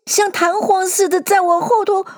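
A woman's voice: extremely high pitch, level tone, moderate pace, voice pushed up. A woman voicing a small, shaken male lizard telling how he was flung up a chimney, with a quavering voice. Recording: long hall reverb.

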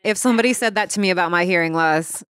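Low-voiced woman podcast host, smooth. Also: fast talker, fairly bright tone, no echo. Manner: reflective, chatty, laughs often. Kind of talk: casual interview conversation.

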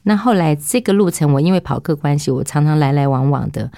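A middle-aged woman telling her testimony in an interview, animated and acting out what people said. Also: low-pitched, fast talker, gravelly, no echo, studio quality. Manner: lively, acts out quoted speech. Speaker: interview guest giving testimony. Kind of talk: animated storytelling.

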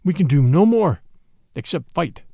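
A man voicing a calm, gentle male panther with a quiet danger to him, speaking softly and low. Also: normal speed, gravelly, dry recording, clean studio sound, full character voice. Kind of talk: storybook reading.

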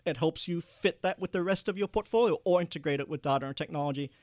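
Middle-aged man from Malaysia as an interview guest. His voice sits a little high, and he sounds earnest and explanatory, laughing easily. The recording is close and dry. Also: quick pace, darkish tone, no room sound. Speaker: guest, investment manager. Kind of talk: interview answers.

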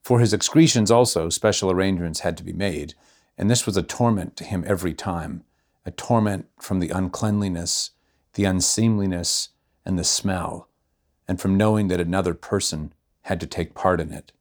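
A man reading a classic novella aloud in measured, unhurried narration. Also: low voice. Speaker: reader. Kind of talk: audiobook narration.

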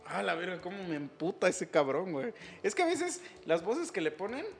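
A man's voice: high-pitched, expressive, moderate pace, creaky, faint music behind. A man with a Mexican accent hosting a casual, slangy chat, talking animatedly and laughing often.

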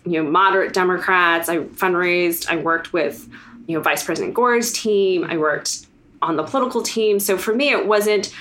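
American woman rambling through her story, lots of "you know", lowish voice. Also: fairly bright tone, a little hiss or hum. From United States. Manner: rambling, with many fillers and self-corrections. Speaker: guest. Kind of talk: casual interview chat.

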